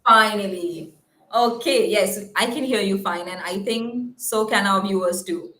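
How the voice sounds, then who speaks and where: A woman's voice: mid-range voice, measured pace, a bit bright. A woman hosting an unscripted live call-in show in an informal, chatty way. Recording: roomy, echoing sound.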